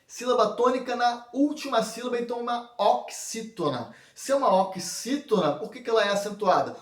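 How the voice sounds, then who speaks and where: A man's voice: high voice, far from the mic. A man with a Brazilian Portuguese accent teaching an exam prep lesson, explaining each point step by step and checking in with his students. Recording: echoey room, voice a bit off mic.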